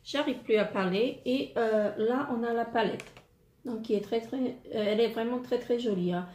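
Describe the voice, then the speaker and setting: A woman's voice: on the high side, normal speed, dark tone. A woman presenting makeup palettes in a casual unboxing vlog, hesitant and full of fillers and repeated words. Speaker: beauty vlogger. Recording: echoey room, faint noise. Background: wind noise.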